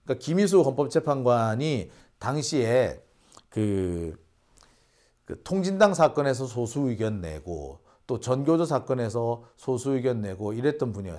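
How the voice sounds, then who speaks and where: A man's voice: medium pitch, a little mellow. A man from Busan, hosting political commentary and ranting indignantly with rhetorical questions. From Busan, South Korea. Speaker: host.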